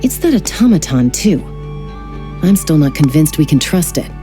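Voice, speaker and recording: A woman playing a protective, wary female scout in a video game, speaking in a measured, serious, cautious way. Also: low voice, very animated, warm tone, soft background music. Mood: wary, concerned.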